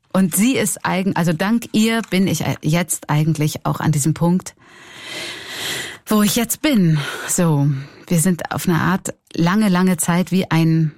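A woman's voice: lowish voice, no room sound, studio quality. Reflective Swiss German woman comedian. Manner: warm, reflective, laughs often. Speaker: comedian and clown. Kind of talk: reflective interview.

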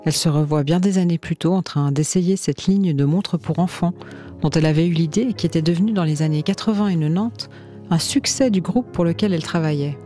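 Calm woman narrating a radio portrait. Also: on the low side, soft background music. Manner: calm, measured storytelling.

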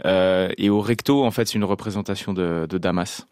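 Man from France, very low voice, jazz musician guest, hesitant, dry recording. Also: moderate pace, a little mellow, clear, resonant tone, no echo. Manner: thoughtful, many hesitations. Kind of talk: interview answers.

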